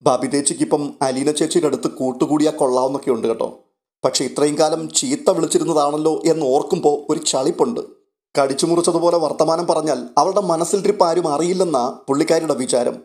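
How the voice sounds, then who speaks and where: A man's voice: on the high side, a little fast, darkish tone, lightly acted. A man reading out a cheeky young woman who gossips, voicing her as teasing and indignant.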